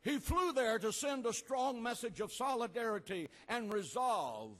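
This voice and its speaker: Slow, booming older preacher at a rally. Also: male voice, sing-song, big-room sound. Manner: slow, emphatic, repeated refrains, rising to shouts. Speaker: pastor giving a speech. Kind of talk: oratorical rally speech. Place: outdoor rally at an ancient port.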